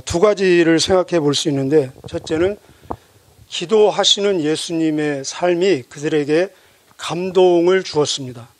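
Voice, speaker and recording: A man preaching a sermon as pastor, measured and emphatic, asking rhetorical questions of his listeners. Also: a little high, a little mellow, dry recording.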